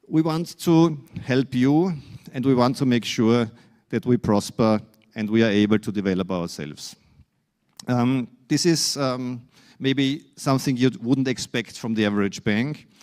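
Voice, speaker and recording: A man from Austria with an Austrian accent giving a conference keynote, halting with many fillers and restarts, and wry self-deprecating humor. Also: mid-range voice, darkish tone. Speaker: keynote speaker.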